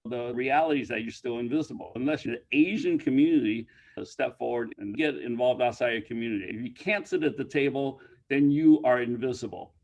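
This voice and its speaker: A man speaking as a panel guest, blunt and forceful, slowing down to stress his points. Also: mid-range voice, gravelly. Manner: blunt, forceful, slows for emphasis. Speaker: panel guest, community advocate. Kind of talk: panel discussion. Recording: dull lo-fi sound.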